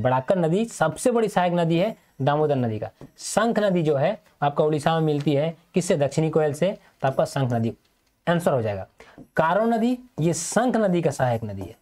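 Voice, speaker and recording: A man's voice: a little high, a little mellow. A male teacher giving an exam-prep lecture, asking and answering his own questions and repeating key points so students remember them.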